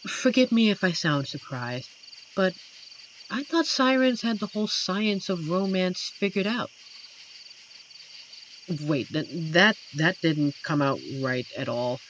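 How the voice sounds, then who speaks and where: A performer plays a friendly, bashful werewolf who guards the forest in a roleplay audio drama, speaking gently and hesitantly with earnest pauses. The medium-pitched voice has lively intonation and sounds surprised and awkward. The track is noisy, filled with crickets and night forest insects.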